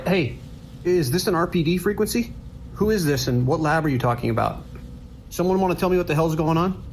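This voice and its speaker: A man's voice: on the high side, expressive, a little fast, darkish tone, slight background noise. An actor playing a protective trucker and worried father, speaking firmly and urgently in a radio drama. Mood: demanding. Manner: firm, warning, gruffly urgent.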